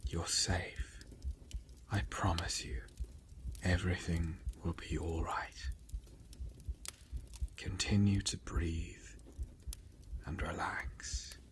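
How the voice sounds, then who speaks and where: A man's voice: low-pitched, flat delivery, slow, pauses often. A man whispering soothing, comforting words in an ASMR style.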